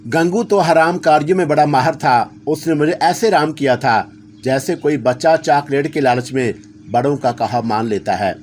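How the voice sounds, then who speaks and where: A man's voice: medium pitch, darkish tone, a little hiss or hum. A man telling a first-person horror story in a dramatic, scripted narration style.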